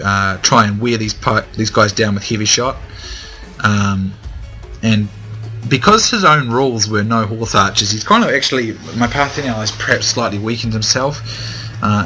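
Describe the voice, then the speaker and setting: Bright-voiced man narrating a game. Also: lowish voice, normal speed, soft background music. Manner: hesitant, many ums and restarts. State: slightly hoarse, dry throat, coughing. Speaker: gaming commentator. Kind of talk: casual gameplay commentary.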